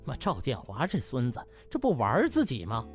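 A man's voice: mid-range voice, huge pitch swings, brisk, voice pushed down. A shameless young wise guy from a comic audiobook, acted by a male narrator. His delivery swings wildly up and down, slangy and ingratiating, with music underneath. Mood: grumbling. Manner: smirking, ingratiating, slangy, chuckling. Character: cheeky, shameless young man, a hospital slacker. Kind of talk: audiobook character acting.

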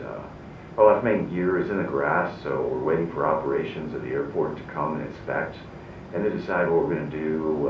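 Man acting as distraught airline captain, halting self-reproach, gravelly, distant noisy cockpit reenactment. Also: heavily acted. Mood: apologetic announcement. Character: distraught, apologetic male airline captain after a runway accident. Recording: distant, dull, roomy cockpit with loud rumble.

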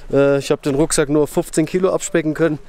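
A young man from Germany chatting casually to his camera outdoors at a mountain camp, relaxed and full of fillers. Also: a little high, fast. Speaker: hiking vlogger. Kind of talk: casual vlog talk to camera.

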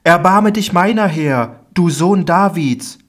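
A man voicing a desperate foreign mother who cries out, high and pleading, in a solemn Bible audiobook reading. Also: animated, slow pace, heavily acted. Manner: high, crying out loud, pleading.

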